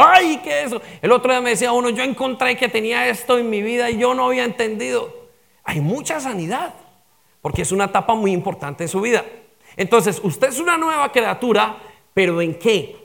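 A pastor preaching a sermon, firing rhetorical questions at the congregation and calling for amens. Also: male voice, high-pitched, gravelly, fairly bright tone.

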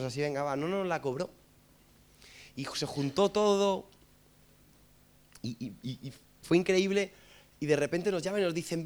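A man with a Madrid accent preaching through a funny story, animated and joking, asking listeners for amens. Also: fairly high pitch. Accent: Madrid Spanish. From Spain. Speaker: preacher and musician. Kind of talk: humorous storytelling sermon.

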